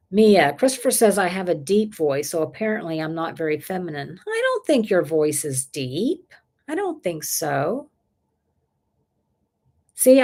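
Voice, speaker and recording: Chatty woman in her sixties, low voice. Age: 60s. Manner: chatty, rambling, laughs often. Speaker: livestream host. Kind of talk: casual live chat reading comments.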